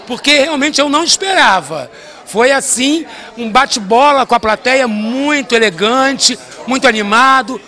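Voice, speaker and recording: An older woman gushes backstage after a performance, thankful and effusive. Her voice is high and bright and she talks into a handheld mic. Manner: effusive, grateful, talks fast. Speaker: actress in the reading. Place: backstage at a theater, indoors. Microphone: handheld interview mic.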